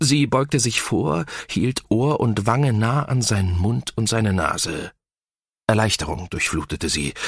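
At a very slow pace, a man speaks at medium pitch with lively intonation. The recording is very clean, the background silent. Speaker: audiobook narrator. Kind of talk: audiobook reading, dramatic narration. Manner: tense, urgent, emotionally charged.

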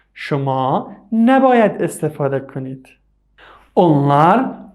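Very wide pitch swings mark a man's speech as he talks at a very slow pace. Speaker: language teacher. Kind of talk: tutorial.

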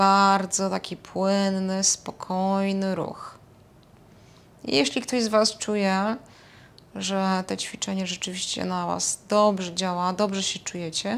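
Very slow pace with fairly even intonation. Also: woman. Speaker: fitness instructor. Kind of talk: exercise tutorial instruction. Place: home room.

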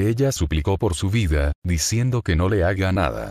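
A man talks in a dramatic tone with lively intonation. The sound is dry and close with no echo, in a very clean recording with a silent background. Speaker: horror story narrator. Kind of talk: spooky ghost-story narration, hushed and suspenseful, building dread. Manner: slow, measured, dramatic pacing with ominous pauses; grave, foreboding tone.

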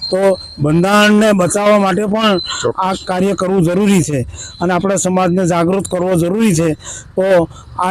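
Against noticeable background noise, a man speaks at a high pitch with fairly even intonation. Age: 80s+. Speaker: Buddhist novice monk and social activist. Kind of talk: appeal in interview.

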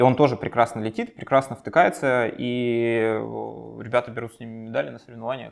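Against a quiet background, a man speaks in a plain, everyday voice at medium pitch and a fairly quick pace, with fairly even intonation but big swings in loudness. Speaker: knife collector and knife thrower. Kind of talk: casual interview chat. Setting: studio.

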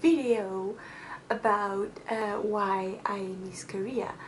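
With a French accent, a woman speaks at a fairly slow pace and a fairly high pitch. Her intonation is fairly even, over light background noise. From France. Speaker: YouTuber. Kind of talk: casual vlog monologue. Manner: hesitant, with filler sounds. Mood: playful, wistful. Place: home room. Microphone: phone near.

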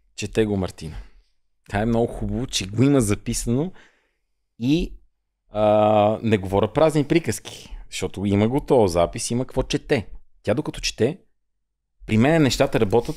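Against a quiet background, a man with a dark, mellow tone speaks with lively intonation and long, frequent pauses. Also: moderate pace. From Bulgaria, Rhodope region (Velingrad); Bulgaria. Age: 40s. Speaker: reality show contestant; podcast guest. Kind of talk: casual interview chat. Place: studio. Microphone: studio mic.

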